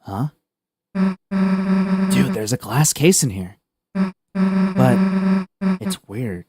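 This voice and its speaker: A man's voice: sits high, big pitch swings, mellow, voice pushed up, full character voice. Susie, a man doing a brash monster girl. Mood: gruff, puzzled. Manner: blunt, swears, slow gruff delivery. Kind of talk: voicing game dialogue on stream.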